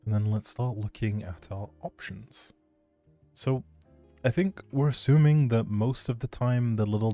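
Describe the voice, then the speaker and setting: A man's voice: on the low side, dark tone, no echo. A man chatting casually and thinking aloud on a gaming livestream, easygoing and polite. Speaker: video game livestreamer.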